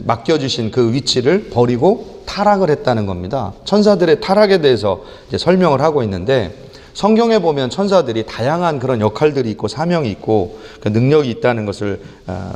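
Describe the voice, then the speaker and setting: Animated preaching man in a reverberant church. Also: mid-range voice. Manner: animated, acts out prayers and God's rebukes in lively voices. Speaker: pastor. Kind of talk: sermon. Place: church sanctuary. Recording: long church hall reverb.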